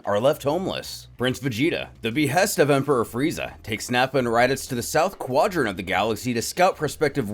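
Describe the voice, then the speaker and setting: Lively man narrating a story. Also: mid-range voice. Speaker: narrator of a comic recap. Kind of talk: dramatic scripted story narration. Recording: music behind the voice.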